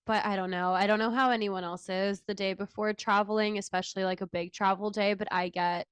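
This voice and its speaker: A woman's voice: mid-range voice, fairly even intonation, fairly quick, clear, resonant tone, no echo. A woman co-hosting a casual chat podcast, nasal and stuffed up from a cold, tired and chatty with frequent laughs and fillers. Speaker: podcast co-host.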